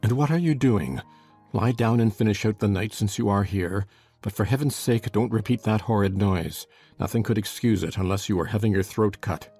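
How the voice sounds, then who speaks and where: A man playing a shaken, harsh master of the house who talks loudly and angrily through gritted teeth. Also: lowish voice, normal speed, slightly rough, soft background music. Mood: angry.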